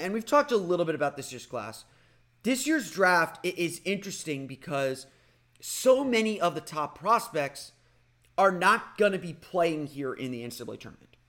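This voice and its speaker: A man hosting a casual sports podcast, talking energetically with a slightly raspy voice and frequent restarts. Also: a little high. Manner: energetic, rambling with restarts and fillers. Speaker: podcast host.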